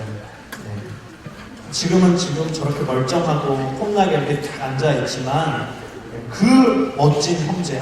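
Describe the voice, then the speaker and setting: A man preaching to a college crowd, his voice pitched a little high and full of lively, joking storytelling. He sounds far from the mic, and long reverb rings around him in a big, echoey church hall. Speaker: pastor. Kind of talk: sermon to a college group. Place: large church auditorium.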